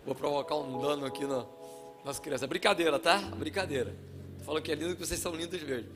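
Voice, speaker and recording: A man from Brazil preaching a sermon in a church, telling a story with acted-out voices and shouts. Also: fairly high pitch, brisk, faint music behind. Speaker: pastor.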